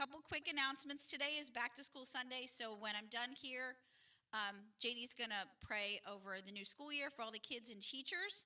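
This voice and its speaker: A woman speaks loudly in a high pitch with ordinary variation and a bright, sharp tone. Her pace is moderate. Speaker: church announcer. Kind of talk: church announcements.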